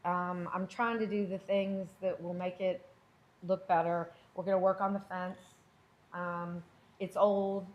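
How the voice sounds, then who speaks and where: A middle-aged woman with a loud voice giving informal testimony at a public meeting, earnest, defensive and rambling. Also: fairly low pitch, little pitch movement, unhurried, muffled recording. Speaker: property owner addressing a board. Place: indoor public meeting room.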